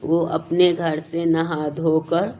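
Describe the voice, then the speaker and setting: A woman with a slightly hoarse throat hosts a devotional advice talk, speaking to viewers as friends in a halting, repetitive way. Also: deep voice, flat delivery, warm tone. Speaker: YouTube channel host.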